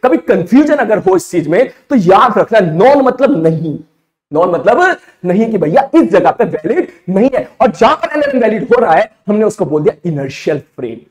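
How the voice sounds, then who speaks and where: A man's voice: sits high, sing-song, normal speed. A male physics teacher giving a casual exam-prep lecture, asking and repeating his own questions. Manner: conversational, asks and repeats questions.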